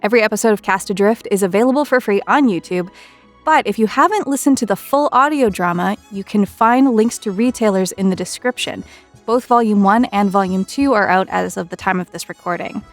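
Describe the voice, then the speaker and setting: A woman hosting an interview show, speaking in a clear presenting style as she introduces and questions a guest. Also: mid-range voice, a little fast, soft background music. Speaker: interviewer and host, associate producer. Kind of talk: scripted intro, then casual interview.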